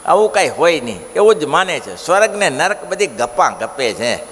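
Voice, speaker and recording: A male preacher giving a devotional scripture discourse, telling stories in an animated way and asking the listeners rhetorical questions. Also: fairly high pitch, normal speed. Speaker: religious preacher. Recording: long hall reverb, faint noise.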